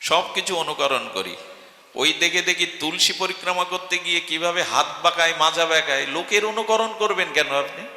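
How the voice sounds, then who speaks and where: A man's voice: a little high, moderate pace, bright, forceful tone. A man from Bengal preaching a devotional sermon, telling stories dramatically and asking rhetorical questions. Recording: echoey hall with long reverb.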